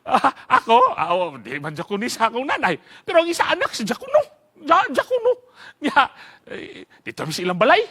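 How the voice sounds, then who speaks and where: A man from the Southern Philippines preaching a sermon, telling an animated story with frequent laughs. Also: very high voice, a little fast, slightly rough.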